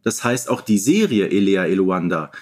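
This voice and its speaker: A man co-hosting a podcast in a casual, measured, explanatory way. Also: deep voice, animated. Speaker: podcast co-host.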